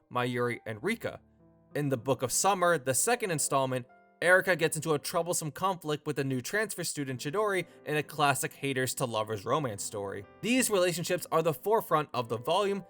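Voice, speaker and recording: A man's voice: on the high side, a bit bright. A man narrating a scripted video essay as the host of a review show. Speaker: host of a visual novel review channel.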